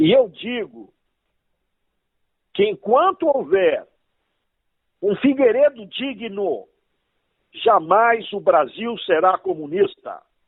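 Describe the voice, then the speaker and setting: With lively intonation, a man speaks at a high pitch. His pace is very slow, broken by long, frequent pauses. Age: 60s. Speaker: jurist and law professor. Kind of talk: political interview. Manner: emphatic.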